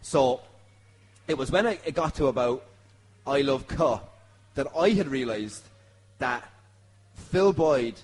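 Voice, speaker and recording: An Irish man hosting a podcast, telling a comic story to friends in a sweary, animated way. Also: medium pitch, slow pace, pauses often, a little hiss or hum, poor audio. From Ireland. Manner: animated, sweary, punctuated by laughter. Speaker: podcast host. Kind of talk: comic anecdote among friends.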